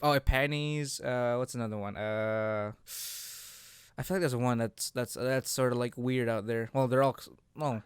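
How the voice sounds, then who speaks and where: A man's voice: medium pitch, fairly even intonation, measured pace, smooth, no room sound. A man co-hosting a casual podcast chat, talking hesitantly and often searching for his words. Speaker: podcast co-host.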